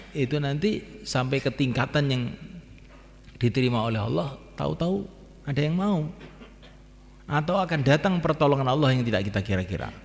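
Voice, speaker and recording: A man's voice: mid-range voice, normal speed, gravelly, pauses often, fairly bright tone. A man preaching to a gathering, repeating his points with emphasis and sometimes chanting lines from the call to prayer. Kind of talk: religious talk to a gathering. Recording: long reverb hall.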